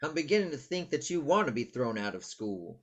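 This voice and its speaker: A man's voice: medium pitch, big pitch swings, fairly quick, muffled recording. A man reading a concerned male advisor in a screenplay table read. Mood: grave, concerned.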